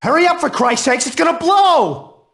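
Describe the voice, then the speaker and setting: A man's voice: very high-pitched, expressive, moderate pace, fairly bright tone, heavily acted. A man playing an agitated, impatient henchman in a video game, exclaiming urgently. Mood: panicked, impatient.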